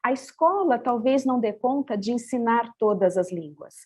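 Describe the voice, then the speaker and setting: Brazilian woman panelist, warm mellow tone, hesitant reflective delivery. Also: on the high side, lively intonation, normal speed, husky. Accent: Brazilian Portuguese. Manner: thoughtful, many hesitations and restarts. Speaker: panel speaker on bilingual education. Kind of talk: panel discussion answer.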